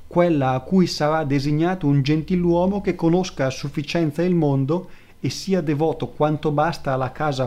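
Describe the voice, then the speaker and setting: A man reading aloud as a courtly, persuasive male court painter who speaks slowly and flatteringly. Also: a little high, close to an everyday voice. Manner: slow, smooth and flattering.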